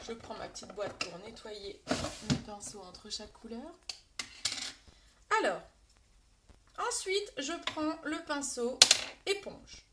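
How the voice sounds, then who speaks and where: A woman's voice: a little high, a bit bright. A woman with a French accent hosting a live makeup tutorial, chatting to her viewers as she works. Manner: chatty, addresses viewers directly, reads out comments.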